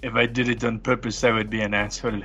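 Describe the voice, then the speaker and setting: A man's voice: lowish voice, little pitch movement, quick pace, a bit bright, soft background music. A man joining a tabletop game remotely, bantering casually with self-deprecating humour. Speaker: remote podcast player. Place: remote, joining from another city.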